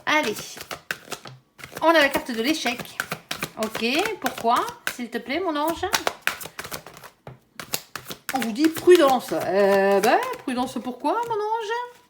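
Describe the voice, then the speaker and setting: A woman's voice: high voice, expressive, slow pace, long pauses, noisy background. A woman with a Southern French accent giving a casual, chatty tarot reading to her viewers. She fills her talk with little tag words and laughs at her own jokes. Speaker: tarot reader.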